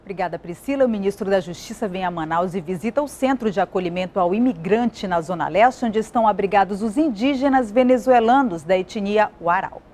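A young woman reading the news as anchor from a TV studio, clear and measured. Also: mid-range voice, animated, darkish tone, slight background noise. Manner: clear measured newsreader delivery.

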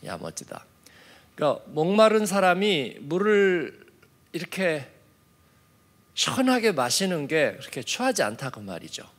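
A man preaching an early-morning sermon as a pastor in a conversational way, dotting his talk with affirming fillers and moving from soft asides to emphatic points. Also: high voice, very animated, unhurried. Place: church.

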